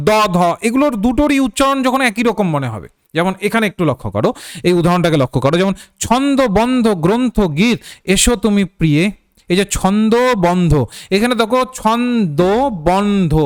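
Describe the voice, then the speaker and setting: A man teaches a live online class, his voice smooth, resonant and a little high. He explains patiently, repeats key points and checks in with the students. The sound is close and dry. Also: no echo.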